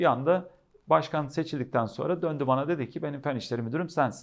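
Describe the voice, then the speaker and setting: A man talks fairly quickly, his voice fairly high with ordinary pitch variation. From Turkey, Çatalca (Istanbul). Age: 40s. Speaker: local politician. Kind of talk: interview. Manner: hesitant, many fillers.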